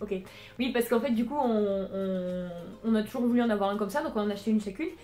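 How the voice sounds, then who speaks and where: Music in the background beneath a woman's fairly high voice, very fast pace and ordinary pitch variation. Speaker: YouTuber, cosplay and makeup channel co-host. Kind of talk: casual haul chat.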